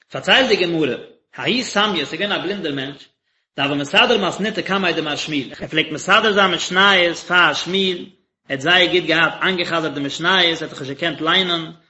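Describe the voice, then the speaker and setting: Male rabbi, text-study lesson, explains in short bursts; very bright, piercing tone, lo-fi recording. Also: sits high. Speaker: rabbi teaching a daily lesson. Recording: echoey, dull lo-fi recording.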